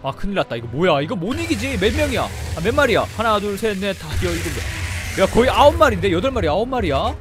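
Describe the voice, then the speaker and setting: Casting note: high-pitched, lively male gamer, yelling play-by-play over game music. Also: fast talker. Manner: shouts and exclaims, talks to the game creature. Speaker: game streamer. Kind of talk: excited gameplay commentary.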